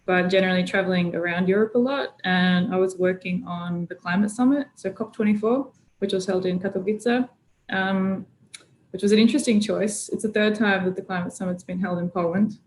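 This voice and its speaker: A woman activist speaking as a guest on a video call, telling her story in a relaxed, chatty way with plenty of fillers. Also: mid-range voice, brisk, slight background noise, low-quality recording. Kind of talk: casual video-call interview.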